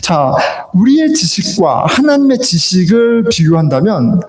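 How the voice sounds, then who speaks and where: A man preaching a sermon as pastor, lively, acting out little dialogues and laughing now and then. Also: high voice, measured pace. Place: church sanctuary. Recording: echoey church hall.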